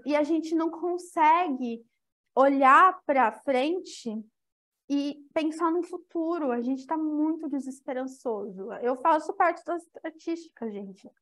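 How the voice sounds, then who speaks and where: Young woman giving a spiritual talk, high voice, chatty, pulls the audience in. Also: a little slow. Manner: lively, engaging the audience directly. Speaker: lecturer.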